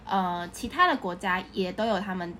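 Young Taiwanese-accented woman, mid-pitched. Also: animated, moderate pace, a crowd in the background. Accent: Taiwanese Mandarin. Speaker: interview guest, English teacher. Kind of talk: casual interview chat.

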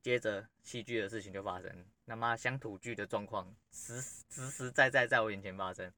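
A man's voice: on the low side, brisk, sharp tone, dry recording. A man hosting a podcast, telling a personal story in a blunt, rambling way and swearing freely. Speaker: podcast host. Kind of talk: casual storytelling monologue.

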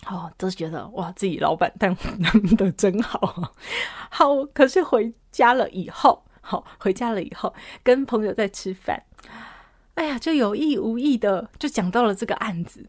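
A woman podcast host and counselor, telling a personal story in an animated way, often laughing and moving between soft and loud. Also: medium pitch, moderate pace, no echo, studio quality.

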